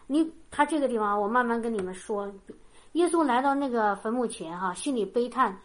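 A woman with a somewhat higher voice gives a casual sermon, reading scripture and explaining it to her congregation. She talks loosely, repeats herself, and softens her sentences with small tags. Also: expressive, fairly quick. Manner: informal, often tags sentences with a soft "ha"; loose and repetitive, with frequent restarts. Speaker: preacher. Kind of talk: conversational sermon with Bible reading.

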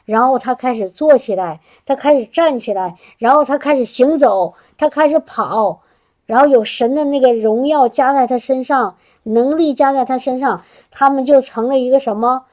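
A woman preaching a sermon in an animated, exclamatory way, often repeating words and laughing between phrases. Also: high voice, moderate pace, lo-fi sound.

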